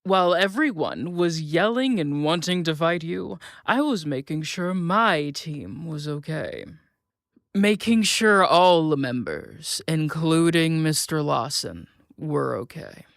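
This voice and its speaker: A performer playing a composed, defiant wrestling contender, delivering a deliberate, confrontational scripted promo with rhetorical questions. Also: mid-range voice, expressive, gravelly, fairly bright tone, dry recording, clean studio sound, heavily acted.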